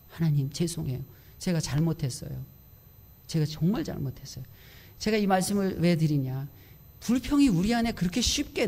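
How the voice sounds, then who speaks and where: Gravelly high-voiced pastor preaching. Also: male voice, darkish tone. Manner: storytelling, acts out his own inner grumbling. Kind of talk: sermon.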